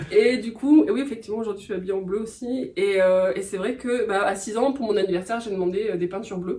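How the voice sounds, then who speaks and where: Talking at a very fast pace with hardly any pauses, a woman uses a medium pitch, ordinary pitch variation and a dark, mellow tone. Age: 40s. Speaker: painter, former corporate lawyer. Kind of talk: interview. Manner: hesitant, many fillers.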